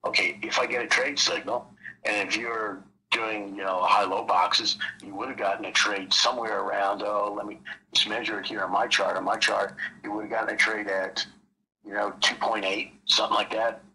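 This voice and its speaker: A man's voice: lowish voice, level tone, normal speed, sharp tone, poor audio. A man explaining trading casually on a call, rambling and leaning on "you know" between thoughts. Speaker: trading mentor.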